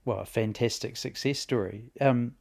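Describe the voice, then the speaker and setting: A man's voice: mid-range voice, moderate pace, vocal fry, a little mellow. A man hosting a podcast interview, asking casual questions and encouraging his guest. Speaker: podcast host.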